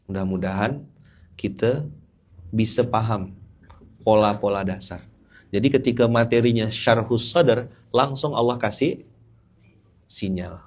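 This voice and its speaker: Man preaching with a lilt, kinda low voice, keeps tossing questions at the crowd. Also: a little slow, pauses often, a little mellow. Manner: playful, keeps asking the audience questions. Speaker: Islamic preacher. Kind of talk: casual humorous dawn sermon.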